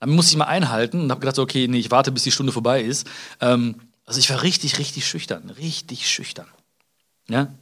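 A man's voice: mid-range voice, steady tone, quick pace, fairly bright tone, breathy edge. A man from Germany talks through a casual self-help podcast, speaking directly to the listener. His voice sits in an ordinary middle range. He hesitates and restarts often, filling gaps with small sounds and tag questions. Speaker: podcast host.

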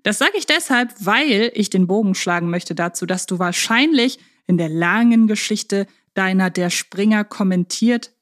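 A woman talks as a podcast host. Her voice sits at a medium pitch. The style is casual, conversational and lightly humorous.

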